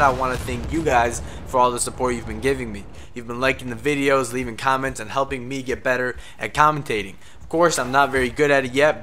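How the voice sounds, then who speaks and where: A man's voice: mid-range voice, sharp tone, slight background noise. A young man talking over gameplay footage as a game commentator, casual and frank, swearing when he gets frustrated. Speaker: gaming commentator.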